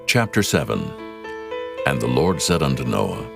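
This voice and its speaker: A man narrating scripture from a script in a solemn, measured storytelling manner. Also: extremely low pitch, big pitch swings, creaky. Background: music.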